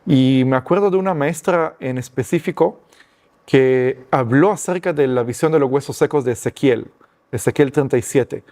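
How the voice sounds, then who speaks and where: Hombre israelí, español titubeante. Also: male voice, mid-range voice, moderate pace, darkish tone. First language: Hebrew. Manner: hesitant, many fillers and restarts, searching for Spanish words. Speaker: guest giving testimony. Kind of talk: personal testimony interview.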